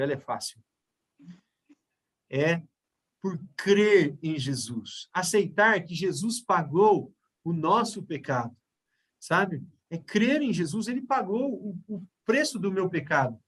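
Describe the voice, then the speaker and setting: A man with a Brazilian Portuguese accent teaching a Bible study, explaining step by step and often checking in with his listeners. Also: high voice.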